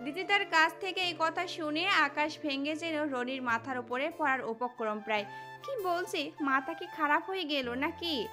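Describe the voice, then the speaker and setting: A woman's voice: high-pitched, moderate pace, sharp tone. A woman reading a scripted dramatic story as the narrator of an audio drama. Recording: music under the voice.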